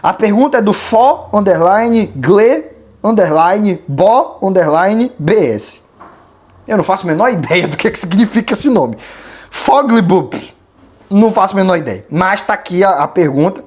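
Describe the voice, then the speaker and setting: A Brazilian-accented host talks through viewer questions in a relaxed, colloquial way. The delivery is opinionated, and the host reasons aloud as the argument builds, like an informal chat with the audience. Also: mid-range voice, moderate pace. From Belém do Pará, Brazil. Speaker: channel host. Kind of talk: casual commentary answering viewer questions.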